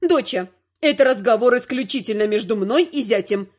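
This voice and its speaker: A man voicing a sharp-tongued, bossy old grandmother who scolds and shouts. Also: very high-pitched, expressive, normal speed. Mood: reproachful.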